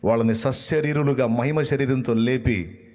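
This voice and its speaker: A man's voice: medium pitch, a little slow, a little mellow. A man preaching a sermon, retelling a story dramatically and voicing the people in it. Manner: dramatic retelling with quoted voices.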